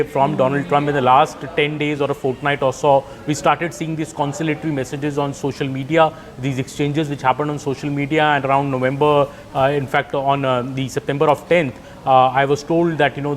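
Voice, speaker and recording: A man with an Indian accent giving live news analysis as a journalist, explaining point by point. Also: fairly high pitch.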